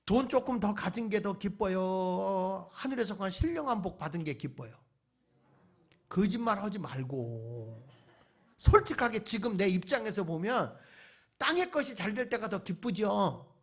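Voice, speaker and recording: A man's voice: high voice, expressive, unhurried, husky. A male pastor preaching at a church revival meeting, firing rhetorical questions at the congregation and mixing in folksy humor. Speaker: pastor, guest revival speaker. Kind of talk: sermon.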